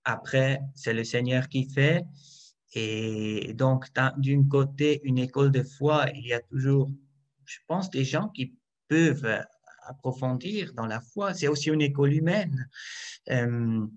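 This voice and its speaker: A man's voice: mid-range voice, a little slow, lo-fi sound. A man, a Swiss priest whose first language is German, answering interview questions hesitantly with many fillers and restarts. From Switzerland. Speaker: priest, guard chaplain.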